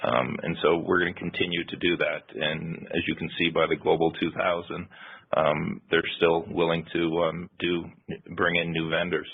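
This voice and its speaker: A man with a gravelly, husky voice speaking as a company finance executive on an earnings call. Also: low voice, flat delivery, moderate pace. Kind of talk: earnings call remarks and answers. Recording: tinny phone-line conference call audio.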